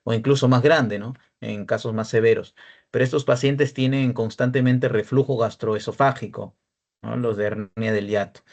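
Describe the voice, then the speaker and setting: A young man delivers a radiology lecture as a peer tutor, walking through image examples step by step. His voice sits at an ordinary pitch with a rough, gravelly texture, and he keeps checking that his students are following. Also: steady tone, normal speed, a little mellow. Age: young adult. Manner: explanatory, checks in often with "¿ya?" and "¿no?".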